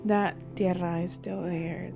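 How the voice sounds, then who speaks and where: A woman in a heartfelt conversation, speaking gently and earnestly, sometimes softening to a whisper. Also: lowish voice, fairly even intonation, takes it slowly, gravelly. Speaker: interview participant. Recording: music playing underneath.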